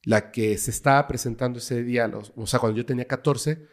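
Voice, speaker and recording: A man's voice: medium pitch, steady tone, fairly quick. Mexican man telling a tense story. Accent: Mexican Spanish. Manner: dramatic storyteller, drops to a hush for tense moments. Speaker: guest, paranormal investigator. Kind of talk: casual storytelling interview.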